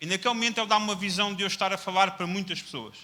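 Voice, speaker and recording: With a European Portuguese accent, a man speaks in a raised, projected voice at a high pitch and a very fast pace. His pitch variation is ordinary, and there is noticeable background noise. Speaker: pastor. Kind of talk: sermon.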